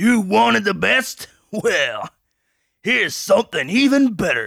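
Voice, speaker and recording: A man puts on a character voice at an extremely high pitch, speaking at a fairly slow pace. The recording is very clean, with a silent background. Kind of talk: salesman pitch.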